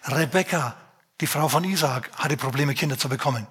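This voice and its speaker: A man preaching a sermon in a lively, conversational way, speaking straight to the congregation with many rhetorical questions. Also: medium pitch, a little fast, slightly rough.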